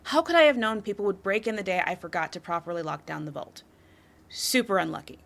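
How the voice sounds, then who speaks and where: A woman acting a flirty, smug white-collar crime suspect in an audio roleplay, teasing and coy, with a confident, drawn-out delivery. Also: mid-range voice, vocal fry, fairly bright tone. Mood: sly, dismissive.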